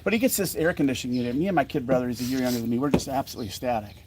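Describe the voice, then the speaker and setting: A man's voice: medium pitch, lively intonation, rapid-fire, background noise. A man co-hosting a podcast, telling a story from his childhood in a rambling, self-correcting way. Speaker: podcast co-host. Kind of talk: casual storytelling.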